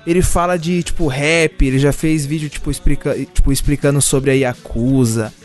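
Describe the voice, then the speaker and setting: A young Brazilian man with a fairly high voice talks in loose, slangy speech. He sounds like a podcast co-host in casual conversation, with music behind him. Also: steady tone, moderate pace. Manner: slangy, informal.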